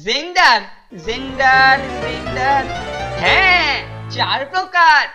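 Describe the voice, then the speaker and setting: Schoolboy, high voice, dim, sheepish, hesitant, excuse-making, cartoon, background music. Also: expressive, slow pace. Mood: nervous. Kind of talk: children's cartoon acting. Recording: music behind the voice.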